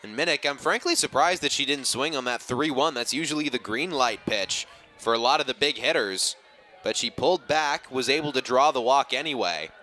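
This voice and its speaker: Bright-voiced male color commentator. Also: mid-range voice, fairly quick, faint music behind. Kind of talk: conversational sports analysis.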